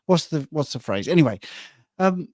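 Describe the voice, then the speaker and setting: Hoarse English man, hosting. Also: fairly high pitch, very animated, moderate pace, a little mellow, no room sound, studio quality. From England. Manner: chatty, self-mocking. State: hoarse from shouting. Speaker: host reading questions. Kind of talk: live Q&A chat.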